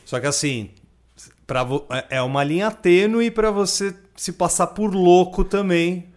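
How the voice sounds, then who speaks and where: A young man with a Brazilian Portuguese accent co-hosting a casual podcast, talking quickly and restarting his sentences. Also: high voice. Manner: quick, restarts and trails off mid-thought. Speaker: podcast co-host.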